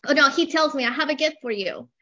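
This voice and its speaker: A woman's voice: high-pitched, expressive, quick pace, pushed and bright, muffled recording. A woman from Colombia with a Colombian Spanish accent, a native Spanish speaker telling her life story as an interview guest. She speaks energetically and emphatically, often using "you know".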